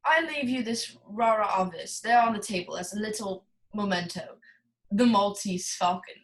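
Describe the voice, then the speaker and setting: A man's voice: sits high, normal speed, a bit bright, poor audio. A man playing a suave, mocking criminal in a 1940s-style noir radio play, with florid, formal speech. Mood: mocking farewell.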